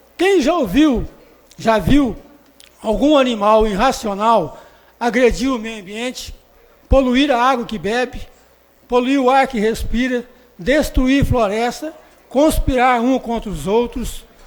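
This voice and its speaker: A man talks at a very slow pace with long, frequent pauses. His pitch is extremely high, with ordinary pitch variation. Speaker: citizen speaker at city council. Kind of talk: reading aloud; public speech. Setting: city council chamber with audience.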